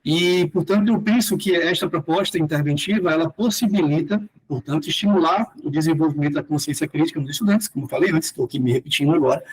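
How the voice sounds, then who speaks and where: A man's voice: on the high side, breathy edge, low-quality recording. A man from Salvador with a Bahian accent, a philosophy teacher presenting his research in a hesitant academic talk full of fillers, with formal passages read aloud. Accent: Bahian Brazilian Portuguese. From Salvador, Bahia, Brazil.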